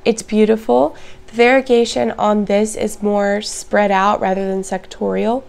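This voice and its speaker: A plant vlogger chats through a casual home show-and-tell vlog, upbeat and addressing her viewers directly. Her voice is hoarse and raspy with lots of gravelly fry, at a middling pitch. Her delivery is flat, a little slow, and a little mellow.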